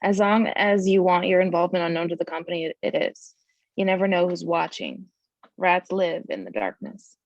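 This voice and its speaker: A woman reads a commanding female raid leader in a drama. She is serious and brisk, with some fry in her voice. The recording is dry and a bit muffled. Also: fairly low pitch, no echo. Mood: cautioning. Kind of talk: screenplay table read.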